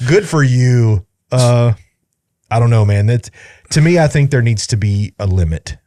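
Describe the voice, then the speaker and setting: A man's voice: mid-range voice, expressive, a little slow, dark tone, no room sound. A man co-hosting a podcast, giving blunt, emphatic opinions in casual political chat. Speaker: podcast co-host.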